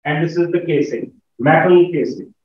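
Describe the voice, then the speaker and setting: A man's voice: a little high, normal speed. A middle-aged man with a South Asian accent teaching a class, questioning students and checking that they follow. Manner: encouraging, checks understanding often. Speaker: physics teacher. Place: indoor classroom at a whiteboard. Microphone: far camera. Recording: echoey room, far mic, slightly dull.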